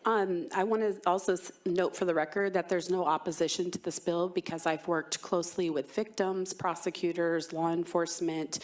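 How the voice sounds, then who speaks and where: A woman's voice: on the low side, moderate pace, hardly any pauses. Woman testifying with a cold-worn voice. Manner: earnest, steady, many ums. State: losing her voice from a cold. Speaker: state legislator testifying. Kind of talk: committee testimony.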